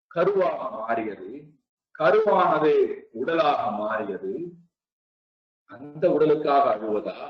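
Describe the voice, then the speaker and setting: A man giving a spiritual discourse, speaking slowly and deliberately and repeating his rhetorical questions. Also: on the high side. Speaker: spiritual teacher. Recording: echoey, distant, dull lo-fi sound.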